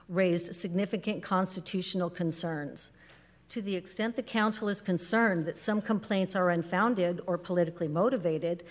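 Lowish-voiced woman reading in an echoey hall. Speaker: public commenter reading a letter to a city council. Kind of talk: formal read-aloud statement. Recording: echoey hall with long reverb.

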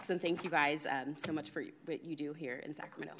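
A woman's voice: low voice, steady tone, a little fast, heavy background noise. A woman commissioner at a city meeting, reading prepared award remarks earnestly into a podium microphone. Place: city council chamber.

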